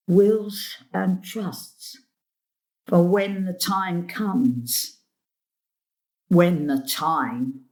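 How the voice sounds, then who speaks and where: A woman's voice: on the low side, darkish tone. An actress playing a querulous, mischievous old grandmother, grumbling and theatrical, in an audio drama.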